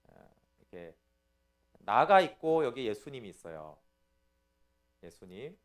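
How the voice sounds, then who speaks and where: A middle-aged pastor gives an explanatory teaching sermon in a medium-pitched, sing-song, unhurried voice, regularly checking in with his listeners.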